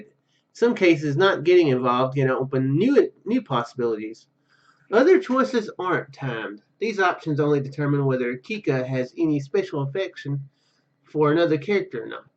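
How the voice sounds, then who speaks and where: Guy doing a casual let's play, voice kinda high and swings around a lot, bit muffled mic. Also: expressive, moderate pace. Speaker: gaming video host. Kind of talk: casual let's play commentary, reading game text aloud.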